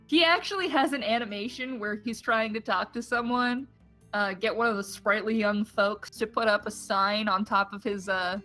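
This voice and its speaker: A woman's voice: medium pitch, normal speed, sharp tone, faint music behind. A woman streaming a game, chatting casually as she explains how it plays. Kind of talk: casual playthrough chat.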